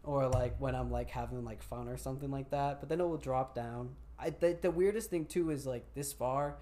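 A young man, talking casually as an interview guest and rambling with many fillers; his voice jumps higher when he gets excited. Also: moderate pace. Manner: rambling, heavy use of "like". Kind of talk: casual conversation.

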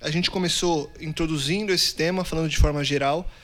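A man's voice: a little high, steady tone, a bit bright. Upbeat male podcast host. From São Paulo, Brazil. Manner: friendly, teasing introductions, fast bursts.

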